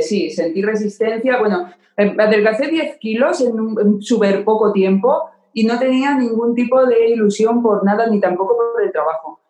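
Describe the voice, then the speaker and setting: A woman's voice: a little high, a little mellow. Open-hearted woman, roomy sound. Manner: open, emotional, repeats words for emphasis. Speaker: podcast guest. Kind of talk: candid conversation.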